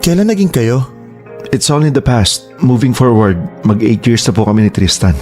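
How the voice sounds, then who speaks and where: An actor playing a gentle, polite young gay man in a radio drama, speaking softly and respectfully. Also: mid-range voice, moderate pace, faint music behind, lightly acted. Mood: polite, earnest. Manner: soft, polite, pleading.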